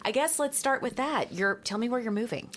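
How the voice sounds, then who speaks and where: A woman's voice: on the high side, fairly quick, fairly bright tone, slight background noise. A woman hosting a podcast, upbeat and encouraging as she chats with her guest. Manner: upbeat, encouraging, sing-song. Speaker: podcast host. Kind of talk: scripted intro, then interview chat.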